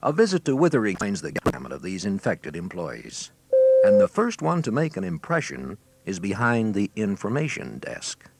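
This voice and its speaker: A man's voice: on the low side, huge pitch swings, normal speed, vocal fry. A man narrating a scripted training filmstrip in a wry, theatrical storytelling manner, recorded on an old 1980s cassette. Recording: noisy 1980s cassette with clicks.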